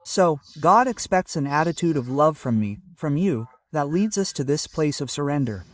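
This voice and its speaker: Man, pastor, measured sermon delivery, slightly high voice, dry and a bit off-mic. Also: expressive, dry recording, far from the mic. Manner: measured preaching with scripture citations.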